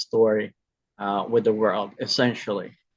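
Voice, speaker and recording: Over a quiet background, a man talks at a medium pitch. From Romania. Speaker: podcast host. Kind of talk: interview.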